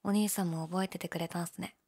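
In a male-oriented situation voice drama, a young woman plays a laid-back gyaru convenience-store clerk who chats casually and is shyly candid. Her low, breathy voice is steady and a little mellow, and she speaks fast yet listlessly, with hesitant, mumbled casual polite speech. The mood is low-key and candid.

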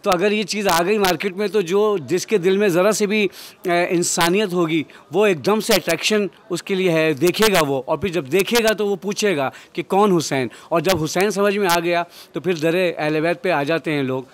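A man hosting an on-location interview outdoors near a shrine, formal and devout in his greetings, asking long questions. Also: sits high. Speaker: interviewer and host.

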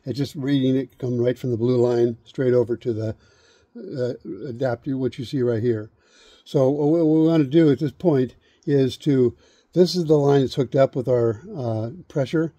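Middle-aged male instructor, deep-toned and dry, walks through steps outdoors, keeps checking "okay?". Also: normal speed, mellow, no room sound, highs cut off. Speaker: HVAC instructor. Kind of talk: hands-on how-to demonstration. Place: outdoors beside an air conditioner unit. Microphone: camera held close, point of view.

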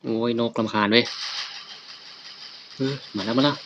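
A man calls out his gameplay in a rowdy, foul-mouthed stream of reactions, often loud and worked up. The sound is a little dull, as if from a modest home mic. Birds chirp faintly in the background. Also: medium pitch, normal speed, a little hiss or hum. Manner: loud, excitable and profane, swearing at the game. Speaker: gaming streamer. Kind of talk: casual gameplay commentary.

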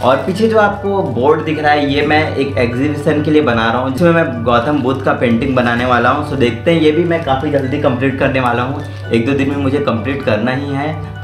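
A man's voice: medium pitch, fairly quick, echoey room, music in the background. A young man in his twenties from central India, chatting casually as he hosts a vlog about the art supplies he bought. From Raipur, Chhattisgarh, India. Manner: chatty and informal, mixing English words into Hindi. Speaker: art channel host. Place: small room with art supplies, indoors.

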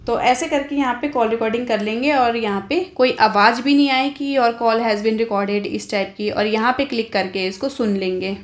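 A woman's voice: a little high, moderate pace, hardly any pauses. An Indian woman hosting an informal phone tutorial, explaining step by step and often adding little check-in tags. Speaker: tech tutorial host.

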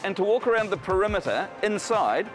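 A man's voice: high-pitched, sing-song, brisk, over loud music. A middle-aged man with a New Zealand accent doing light-hearted TV feature reporting. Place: large warehouse.

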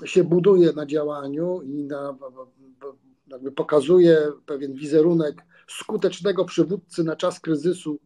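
A man gives political analysis over a video call, his voice mellow and a little high for a man. He states his view with confidence but keeps restarting sentences mid-thought. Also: husky. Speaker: commentator. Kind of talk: political panel discussion. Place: room with a patterned wall mural.

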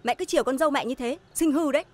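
Actress doing a bossy big sister-in-law, quick high scolding. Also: female voice, darkish tone, lightly acted. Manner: reproachful, lecturing. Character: stern elder sister-in-law, sharp and critical. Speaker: elder sister in a TV drama.

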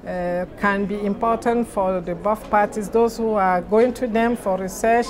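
Middle-aged Cameroonian-accented woman, mid-pitched, interviewee with halting, word-searching delivery. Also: fairly even intonation, crowd noise. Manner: halting, searching for words in non-native English. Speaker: interviewee, NGO president. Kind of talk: interview answers. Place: large indoor conference venue lobby.

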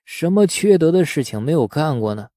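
Man voicing a slow, sneering old villager. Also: a little high, big pitch swings, dark tone, no room sound, clean studio sound. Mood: sneering, bitter. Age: older. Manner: slow, drawn-out, scornful drawl. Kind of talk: audiobook character acting.

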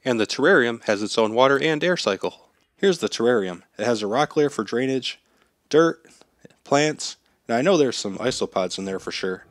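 A man in his thirties hosting a how-to channel, narrating step-by-step instructions in a steady, plain way while slightly sick. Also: medium pitch, moderate pace, no room sound, clean studio sound. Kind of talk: scripted how-to voice-over.

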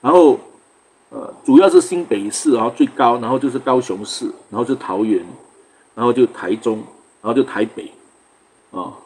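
A man's voice: medium pitch, normal speed, a little mellow, husky. A man from Singapore hosting a casual livestream, chatting loosely, greeting viewers by name and laughing often. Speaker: livestream host.

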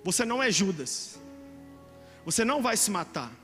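A middle-aged pastor with a Brazilian Portuguese accent preaches a dramatic, emotional sermon to a youth congregation in a large church hall, swinging between soft asides and shouting. His voice is high-pitched and sing-song at normal speed, with long hall reverb and music behind him.

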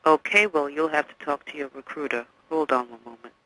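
A woman's voice: deep voice, steady tone, a little fast, pushed and bright, rough recording. A woman answering the phone as an office receptionist, polite and giggly. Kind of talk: phone call.

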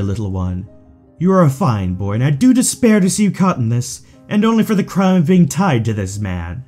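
A man's voice: medium pitch, warm tone. A man playing a suave, theatrical villain in an audio drama, taunting his rival with mock affection. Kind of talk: fan audio drama acting.

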